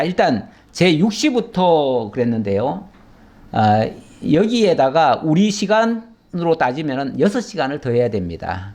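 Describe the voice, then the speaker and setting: A man's voice: fairly high pitch, a little mellow. A middle-aged male pastor giving a verse-by-verse Bible lesson, briefly acting out the voices of mockers as he explains. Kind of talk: Bible teaching sermon.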